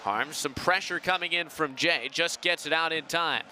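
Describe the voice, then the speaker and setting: Young male sportscaster, live play-by-play, sharp ringing tone, projected delivery, faint venue ambience. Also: a little high, moderate pace. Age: young adult. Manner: projected, excited on big plays. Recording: faint ambient outdoor noise behind.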